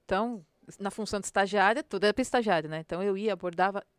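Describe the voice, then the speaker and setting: Blunt São Paulo policewoman, smooth voice. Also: medium pitch, rapid-fire, dry recording. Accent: São Paulo Portuguese. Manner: blunt, slangy, acts out street commands. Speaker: police sergeant guest. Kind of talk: casual podcast interview.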